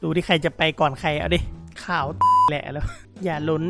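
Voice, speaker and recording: A man commenting on a role-play game, reading chat messages aloud, excitable and often laughing. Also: on the high side, moderate pace, over loud music. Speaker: gaming YouTuber.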